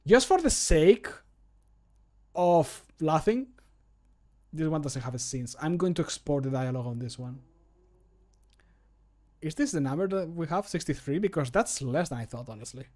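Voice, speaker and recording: Chatty man streaming, slightly high voice. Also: lively intonation, moderate pace, pauses often, a little mellow. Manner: chatty, informal. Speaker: streamer and game modder. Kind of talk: casual livestream chat. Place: small room at home, indoors.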